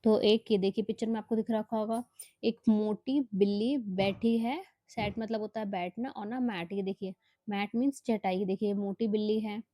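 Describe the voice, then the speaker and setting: A woman's voice: medium pitch, fairly even intonation, moderate pace, mellow, no echo. A woman teaching children a workbook lesson, explaining each step patiently and often checking with okay, with an Indian English accent.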